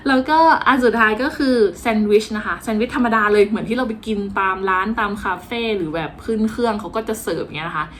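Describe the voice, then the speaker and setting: A woman's voice: medium pitch, expressive, fast, hardly any pauses, fairly bright tone. Casting: woman vlogger, playful and chatty, some faint background noise. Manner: chatty, playful, self-mocking. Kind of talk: casual cooking-class vlog narration.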